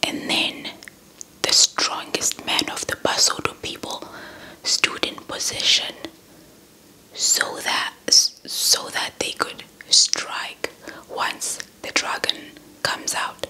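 Very slow, crisp whispering woman. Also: pushed and bright, low-quality recording. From South Africa. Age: young adult. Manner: deliberate, repeats words hypnotically. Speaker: ASMR storyteller. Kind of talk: whispered ASMR folktale narration. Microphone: small handheld mic held close to the mouth.

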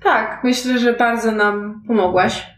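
A woman's voice: on the high side, unhurried, a little hiss or hum. A woman player improvising conversation in a tabletop role-playing game, polite and wordy. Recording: echoey room with music behind.

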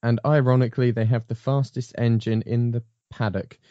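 A man's voice: medium pitch, flat delivery, moderate pace, mellow, no room sound, dull audio. A man hosting a casual motorsport panel chat, rambling with frequent ums and restarts. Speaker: podcast host.

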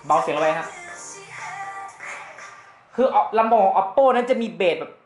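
A man hosting a casual phone comparison in a phone shop, chatty and animated as he hypes results. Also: high-pitched, unhurried. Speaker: tech review host. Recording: echoey room with faint music.

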